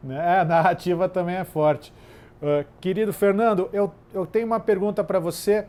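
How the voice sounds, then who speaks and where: A man with a notably high voice hosts a literary festival chat. He speaks earnestly and with firm opinions, then turns to put questions to his guest. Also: fairly even intonation, normal speed, darkish tone. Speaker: bookseller and host. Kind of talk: festival panel conversation.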